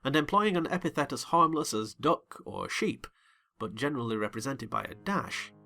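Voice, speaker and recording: A man giving an expressive, measured dramatized reading of a classic novel. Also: medium pitch, creaky. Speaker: narrator.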